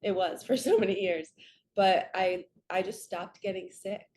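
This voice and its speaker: Raspy, chatty spiritual woman. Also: mid-range voice, unhurried, darkish tone, slight background noise. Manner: chatty, earnest, drifts into stories. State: raspy from waking up and allergies. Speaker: host, spiritual card reader. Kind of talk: casual spiritual reading vlog.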